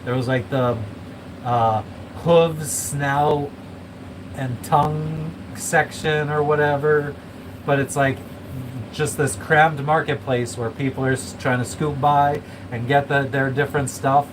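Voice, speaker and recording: A man vlogging in casual chat, rambling and swearing freely in a flat, monotone way. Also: mid-range voice, takes it slowly. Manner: rambling, swears a lot, self-described monotone. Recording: noisy room with air conditioning and traffic hum.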